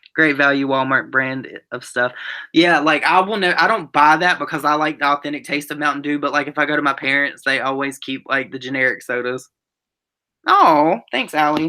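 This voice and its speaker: This man speaks with a Southern US accent at a moderate pace, his fairly high pitch carrying a bright, sharp tone. His intonation stays fairly even on a very clean recording with a silent background. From North Carolina. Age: 30s. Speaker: YouTuber, livestream guest. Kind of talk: casual chat.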